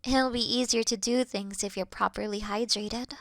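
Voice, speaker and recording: A woman playing a caring, worried best friend in an intimate roleplay audio call, speaking softly and soothingly with breathy murmurs. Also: medium pitch, steady tone, moderate pace, no room sound, clean studio sound, natural voice. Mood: patient, encouraging. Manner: soft, soothing, reassuring, sighing, dropping into breathy murmurs. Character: caring, gentle young female best friend, patient and worried.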